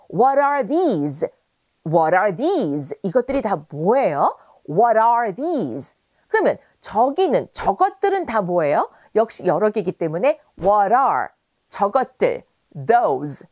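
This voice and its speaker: Lively woman teaching English phrases. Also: mid-range voice, dry recording. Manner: lively, modeling phrases slowly and clearly. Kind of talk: scripted video lesson.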